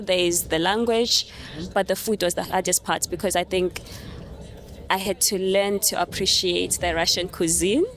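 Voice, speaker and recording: A young woman from Zimbabwe, answering interview questions in a thoughtful, soft-spoken way and laughing lightly now and then. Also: lowish voice. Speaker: interview guest. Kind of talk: casual conversational interview. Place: on a moving train.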